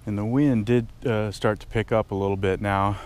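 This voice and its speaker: A middle-aged man with a fairly low voice talks in a relaxed, explaining way as he fishes from a rocky lakeshore. He is recorded outdoors on a camera mic, with steady wind noise clearly heard behind him. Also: normal speed. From United States. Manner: relaxed, explanatory, excited when hooking fish. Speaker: fishing vlogger. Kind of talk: casual narration while fishing. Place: rocky lake shore outdoors, windy. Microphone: camera mic, often head-mounted.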